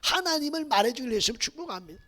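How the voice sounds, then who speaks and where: A man preaching a Sunday sermon as pastor, swinging between shouted exhortation and hushed near-whispers. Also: very high-pitched, big pitch swings, fast. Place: church sanctuary. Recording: reverberant church hall.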